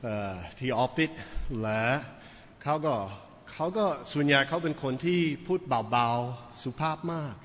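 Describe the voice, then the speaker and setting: A man's voice: mid-range voice, measured pace, fairly bright tone. A Western man preaching a sermon, telling a story animatedly with many repeated words. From Western country. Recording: echoey hall.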